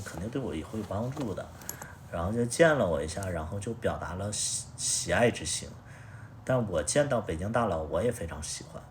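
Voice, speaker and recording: A man's voice: sits low, slight background noise. A young man telling a story on a casual livestream, blunt and rambling, swearing often. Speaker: livestream host.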